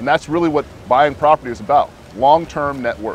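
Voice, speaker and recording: Noticeable background noise sits behind the recording. A man speaks at a fairly high pitch with ordinary pitch variation. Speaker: property manager and real estate investor giving a testimonial. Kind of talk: testimonial interview answer. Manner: casual, conversational.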